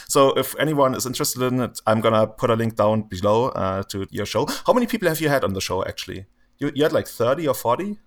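A man's voice: mid-range voice, animated, fast. A man hosting a podcast, chatting casually in a friendly way, often laughing and stumbling over his words. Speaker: podcast host. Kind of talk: casual interview chat.

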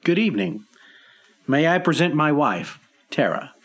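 A man's voice: a little high, big pitch swings, a little slow, a bit bright, breathy edge, soft background music. A man hosting an old-time radio drama, giving a formal introduction. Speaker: host and actor introducing the play.

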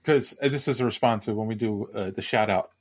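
A man's voice: lowish voice, brisk, slightly rough. A man hosting a casual podcast chat, rambling and hedging his points and laughing often. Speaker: podcast host.

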